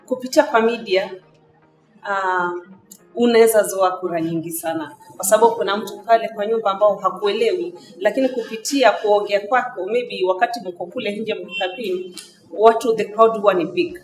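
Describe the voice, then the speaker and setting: A woman's voice: medium pitch, a little fast. A woman with a Kenyan accent answering in an interview, slipping between two languages. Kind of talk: interview, mixing Swahili and English. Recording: distant mic, roomy echo, faint music.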